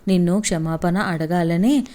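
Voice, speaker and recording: A woman voicing an old grandfather in a storybook reading, who shouts through coughs at first and later speaks gently. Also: fairly low pitch, unhurried, close to an everyday voice. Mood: remorseful. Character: old grandfather, stern then remorseful.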